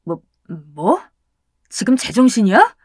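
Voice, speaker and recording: A woman's voice: on the high side, very animated, slow, slightly rough, no room sound, clean studio sound, exaggerated voice. A woman voicing an angry young man who scolds his girlfriend in a raised voice. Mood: furious. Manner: sharp, raised voice.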